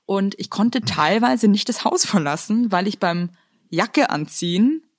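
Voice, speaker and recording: A woman co-hosting a podcast in casual chat, loud and playful, who swears a lot and breaks into theatrical rants. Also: mid-range voice, expressive, a little slow, no echo, studio quality. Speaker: podcast co-host.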